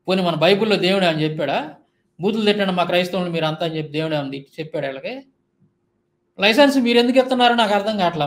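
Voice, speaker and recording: A man giving a heated monologue rebuttal, firing off indignant rhetorical questions. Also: sits high. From India. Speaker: Christian YouTube commentator.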